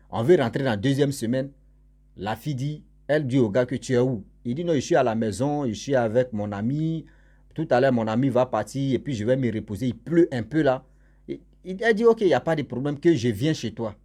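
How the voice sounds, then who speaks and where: A man's voice: mid-range voice, darkish tone. A man telling a story casually and with energy, repeating phrases and talking straight to his listeners.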